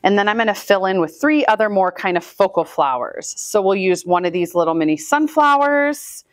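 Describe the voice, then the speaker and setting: A woman's voice: mid-range voice, animated, normal speed, no room sound. Chatty woman narrating flower arranging. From Northwest Iowa, US. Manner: chatty, upbeat, talks while handling flowers. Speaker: flower farmer and channel host. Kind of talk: casual how-to narration while working. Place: indoor room with flower buckets. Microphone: far camera, hands-free.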